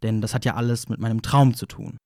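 A man's voice: medium pitch, fairly even intonation, quick pace, darkish tone, dry recording, studio quality, close to an everyday voice. A man playing a wry, wounded narrator who confesses in a rambling, repetitive way, in an audio play monologue. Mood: wry, musing. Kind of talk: audio play monologue, ironic first-person storytelling.

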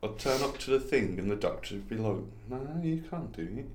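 A man's voice: lowish voice, lively intonation, brisk, echoey room, noisy background. A man co-hosting a podcast, trading dry quips and giggling through casual banter. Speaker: podcast co-host.

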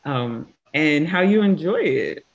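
A woman's voice: low-pitched, expressive, takes it slowly, lo-fi sound. An American woman hosting a podcast, talking in a reflective, conversational way with some fillers. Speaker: podcast host. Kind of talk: casual interview chat.

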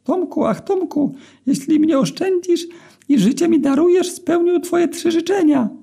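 A man voicing a squeaky, fawning magical male white eel that grants wishes, in a read-aloud story. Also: animated, unhurried, gravelly, dark tone, full character voice. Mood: obliging. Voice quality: squeaky, thin little voice. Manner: fawning, obliging. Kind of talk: storytelling character voice.

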